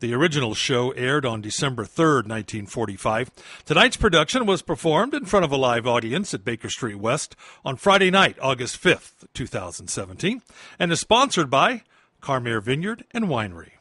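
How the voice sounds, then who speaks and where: Bright, husky male announcer. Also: mid-range voice, big pitch swings, moderate pace, no echo, studio quality. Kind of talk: scripted radio introduction.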